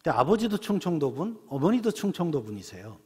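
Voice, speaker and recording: A middle-aged pastor from Seoul, preaching a sermon in a church in a chatty storytelling way, full of rhetorical questions. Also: male voice, on the high side, sing-song, a little fast, breathy edge. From Seoul, South Korea. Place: church sanctuary. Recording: long church reverb.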